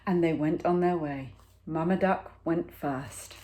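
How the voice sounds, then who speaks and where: A woman teacher reading a picture book aloud to children, with expressive, deliberate storytelling and dramatic pauses. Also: low-pitched.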